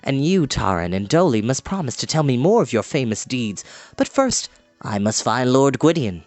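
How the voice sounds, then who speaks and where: A man voicing a noble, modest young warrior prince in a storybook, speaking in a courteous, measured way. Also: mid-range voice, very animated, darkish tone, dry recording, faint music behind, close to an everyday voice. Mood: friendly, amused.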